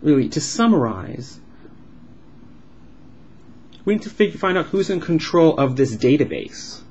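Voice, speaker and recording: A man voicing a signed vlog as an interpreter, explaining in halting phrases with uneven pauses. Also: fairly high pitch, sing-song, a little mellow. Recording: dull lo-fi sound with clear background noise.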